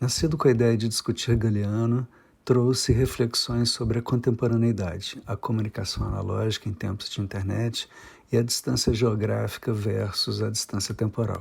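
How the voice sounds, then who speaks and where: A man speaks at a moderate pace and medium pitch, somewhat breathy, with fairly even intonation. The recording is very clean, with a silent background. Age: 60s. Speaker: photographer and university professor. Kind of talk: reading aloud.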